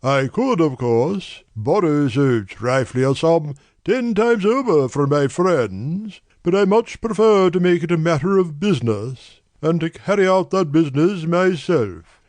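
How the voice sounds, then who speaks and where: A man voicing an imperious aristocratic gentleman who speaks high and pressing. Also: lively intonation, a little slow, dry recording. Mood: haughty urgent. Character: aristocratic male client, haughty, hurried.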